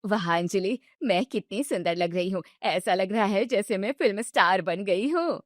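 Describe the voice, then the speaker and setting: A woman's voice: mid-range voice, normal speed, no room sound, studio quality, voice pushed down, lightly acted. A woman voicing a middle-aged mother-in-law who teases and laughs at others. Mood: vain.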